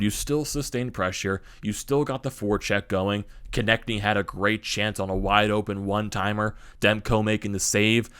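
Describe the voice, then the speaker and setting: A young man rambles through a hockey recap with lots of energy and digressions. His voice is low and smooth, with a slight strain from screaming at the arena. It sounds close and dry. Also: fairly bright tone, dry recording. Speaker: sports channel host. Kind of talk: solo hockey recap talk.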